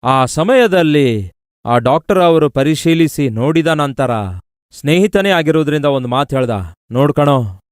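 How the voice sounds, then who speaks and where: A man's voice: on the high side, expressive, moderate pace, smooth, no echo, clean studio sound. A male pastor telling a story in a sermon, earnestly addressing his listeners as beloved.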